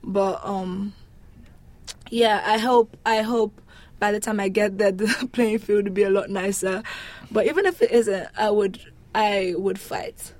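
A young woman from Nigeria with a Nigerian accent, a university student answering interview questions in an animated, emphatic, casual way. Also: mid-range voice, unhurried. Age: young adult.

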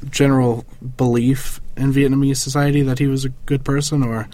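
A man's voice: mid-range voice, flat delivery, brisk, dark tone. A man with an American accent asking questions in a casual interview. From United States.

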